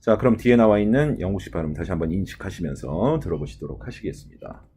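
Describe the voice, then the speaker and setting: Low dark-voiced guy lecturing on test answers, talks with lots of little fillers. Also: expressive, fast talker, slight background noise. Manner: filler-heavy lecturing, frequent "ja" and "ye"; mimics English pronunciation in examples. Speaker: TOEIC listening instructor.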